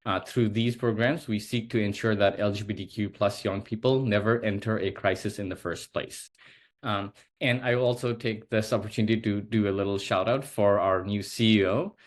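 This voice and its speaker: A low-voiced man in his thirties, originally from Nepal, walks through a slide presentation over a video call. He speaks earnestly and steadily, with frequent small fillers between points. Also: fairly even intonation, normal speed. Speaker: advocacy presenter.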